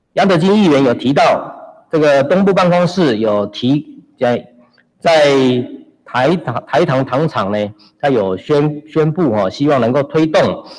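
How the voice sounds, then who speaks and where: A fairly high-pitched man at a fairly slow pace, his loudness very even over a quiet background. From Taiwan. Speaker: county tourism department deputy director. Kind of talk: official work report; formal work report and answers. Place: hall. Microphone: podium.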